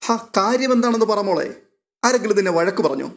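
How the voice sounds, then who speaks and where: A man doing a gentle old grandfather. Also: sits high, animated, a little fast, pitched above the performer's own voice. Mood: soothing.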